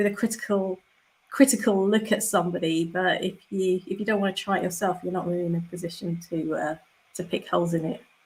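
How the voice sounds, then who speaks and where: A woman talks at a fairly quick pace, somewhat breathy. Her medium pitch shows ordinary pitch variation. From Britain. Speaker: developer community manager. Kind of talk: casual interview chat.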